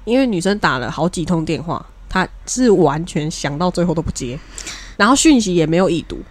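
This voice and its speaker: A woman, co-hosting a casual podcast and telling a story with animated energy, acting out what her friends said. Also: lowish voice, brisk. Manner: animated storyteller who acts out friends' lines. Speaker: podcast co-host.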